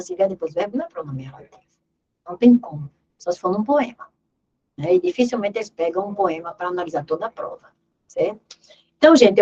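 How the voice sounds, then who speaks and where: A woman's voice: medium pitch, husky, dull audio. A woman teaching an exam review lesson in Portuguese grammar, emphatic and repeating key words as she drills terms aloud.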